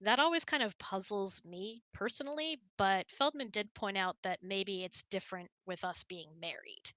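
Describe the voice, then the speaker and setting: A woman's voice: mid-range voice, moderate pace, pushed and bright, no room sound. A woman hosting a casual question-and-answer chat in an informal, giggly, chatty way. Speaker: host.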